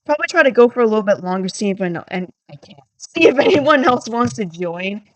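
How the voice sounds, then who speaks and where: A woman's voice: medium pitch, animated, quick pace, no echo, rough recording. A woman livestreaming, chatting casually and thinking aloud in a rambling, self-deprecating way, her voice starting to tire. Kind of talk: casual livestream chat while coding.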